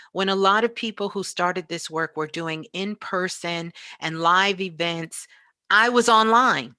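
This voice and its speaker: A middle-aged woman talking casually as a guest in a spiritual interview, expressive and emphatic, repeating phrases to drive them home. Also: mid-range voice, no echo. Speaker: guest, online radio show host.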